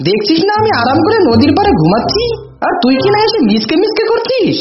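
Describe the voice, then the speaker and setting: A woman's voice: very high-pitched, big pitch swings, fast. A woman voicing a sly, scheming male fox in a children's cartoon, theatrical, wheedling and boastful. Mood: annoyed. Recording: dull, echoey audio with music.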